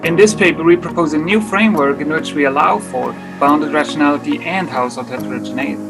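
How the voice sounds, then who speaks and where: A man's voice: a little high, fast talker, low-quality recording. A man, an economics researcher, gives a scripted summary of his research. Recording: clear music bed behind the voice. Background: music.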